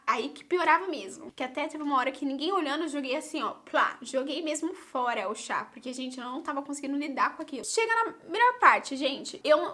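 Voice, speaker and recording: A young Brazilian woman with a Brazilian Portuguese accent tells a story straight to camera in a vlog. Her voice sits high and sounds bright. She keeps it dramatic and animated, calling out to her viewers again and again. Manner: animated and dramatic, often addresses viewers directly. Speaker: vlogger.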